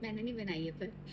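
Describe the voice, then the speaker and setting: A woman's voice: a little high, background noise. A young woman vlogging casually to her viewers, chatty and affectionate as she goes through her day on the way to a shoot. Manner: chatty, talks to viewers as "lovelies". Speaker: vlogger and actor. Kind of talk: casual vlog chat to camera. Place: home, then a film set dressing room.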